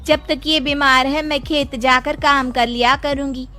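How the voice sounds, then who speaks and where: A woman's voice: high voice, steady tone, measured pace, sharp tone, soft background music. A young woman voicing a determined village daughter-in-law in a cartoon, speaking respectfully and earnestly. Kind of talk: cartoon voice acting.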